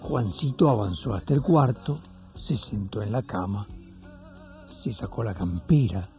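A man's voice: fairly low pitch, lively intonation, unhurried, warm tone, faint music behind. An Argentine man hosting a religious radio program and telling stories in a colloquial, folksy way. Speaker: radio host and storyteller. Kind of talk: warm religious radio address and storytelling.

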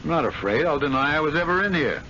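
A flustered, pleading debtor. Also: male voice, on the high side, expressive, fast talker, bright, forceful tone, slight background noise. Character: anxious, weak-willed male trust officer in debt. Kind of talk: 1970s radio drama acting. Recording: lo-fi vintage radio with faint music.

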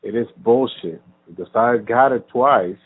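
A man in casual chat, talking in a profane, animated rant that trails off and picks back up. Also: medium pitch, a little slow, breathy edge. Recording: tinny phone-like sound.

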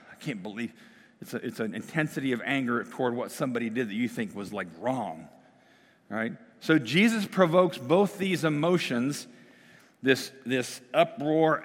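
A middle-aged male pastor, slightly losing his voice, preaching and praying in a conversational way with fillers and restarts. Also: medium pitch. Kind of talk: sermon with prayer. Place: church sanctuary. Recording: long reverb of a church hall.

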